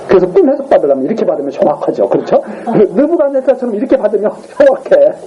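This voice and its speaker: A man's voice: high voice, highs cut off. A man preaching a Sunday morning sermon as a pastor, telling the story with feeling and acting out the lines of the king and his advisers. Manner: asks the congregation for agreement. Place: church sanctuary.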